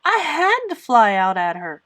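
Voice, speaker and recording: Here is an eleven-year-old orphan girl acted by a woman from a storybook. She speaks high and emphatically, with wounded pride. She pleads and defies with great melodrama. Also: wildly swooping pitch, measured pace, fairly bright tone, heavily acted. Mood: indignant, wailing.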